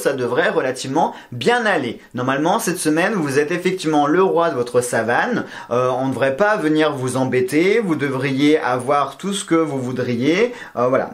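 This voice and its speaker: A man giving a casual weekly horoscope reading, joking around and counting scores aloud. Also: fairly high pitch. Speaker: astrology and tarot reader.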